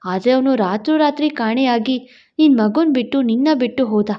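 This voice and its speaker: A woman's voice: high voice, moderate pace, dull audio, natural voice. A woman voicing a worried, tearful older mother in a storybook drama, speaking in a pleading, sorrowful way.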